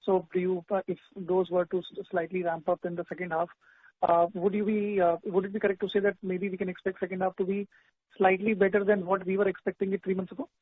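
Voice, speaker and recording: A man's husky voice comes through a dry, tinny phone line. He rushes through hesitant questions full of fillers on an earnings call. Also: high-pitched, level tone, no echo. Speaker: financial analyst asking questions.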